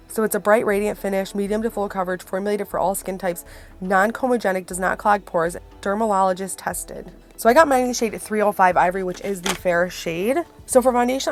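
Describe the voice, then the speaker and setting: A woman speaks at an average pitch in a casual, chatty beauty-review style. Her voice is a little worn from being sick, and soft music plays behind her. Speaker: beauty vlogger. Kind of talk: casual product review chat to viewers.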